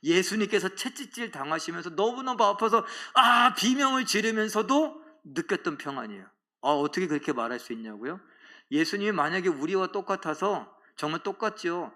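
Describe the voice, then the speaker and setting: A man's voice: high voice, big pitch swings, brisk, pushed and bright. A male pastor preaching a Sunday sermon, asking rhetorical questions and answering them himself. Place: church.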